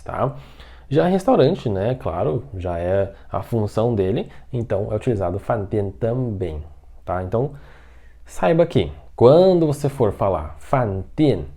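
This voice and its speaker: Mellow-voiced man teaching a lesson. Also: fairly low pitch. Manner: patient, repeats words slowly and checks in often. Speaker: Mandarin teacher. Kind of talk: online language lesson.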